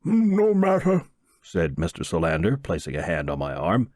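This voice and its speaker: Husky, animated male story reader. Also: rumbling low, a little fast, dry recording, studio quality. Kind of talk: scripted audiobook narration.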